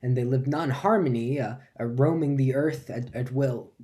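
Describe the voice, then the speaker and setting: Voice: mid-range voice, normal speed, mellow, lightly acted. A performer playing a flustered, forgetful lecturer who stammers and repeats words through a comic stage monologue. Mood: hesitant, earnest.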